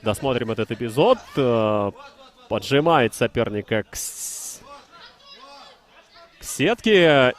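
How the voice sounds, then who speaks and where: Male TV MMA commentator, medium pitch. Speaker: TV sports commentator.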